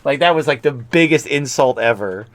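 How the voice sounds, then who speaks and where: A man's voice: mid-range voice, animated, moderate pace. A man hosting a podcast in casual chat who keeps mimicking other people's voices. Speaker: podcast host.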